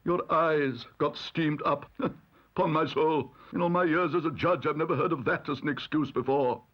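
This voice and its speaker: A pompous, flustered old judge, put on by a man reading a storybook aloud. He talks up high and slow, husky and exclaiming. The recording is dull and lo-fi. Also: lightly acted.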